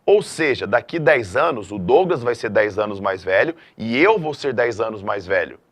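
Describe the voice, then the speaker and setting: A middle-aged man from Brazil giving a math video lesson, emphatic and lively, often checking in with the students. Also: lowish voice, normal speed. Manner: lively, emphatic classroom delivery with frequent checks like "tá?". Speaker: math teacher.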